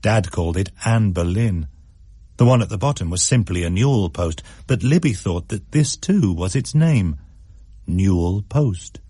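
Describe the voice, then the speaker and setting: Low, husky-voiced male storyteller. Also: animated, a little slow, mellow, no room sound, clean studio sound. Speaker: story reader. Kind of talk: storytelling narration.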